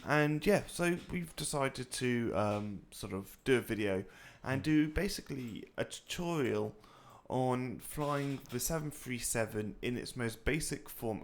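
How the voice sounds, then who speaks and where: A man's voice: mid-range voice, vocal fry. A young man co-hosting a flight-sim tutorial, chatting casually and rambling with many fillers and restarts. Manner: rambling, filler-heavy, hesitant.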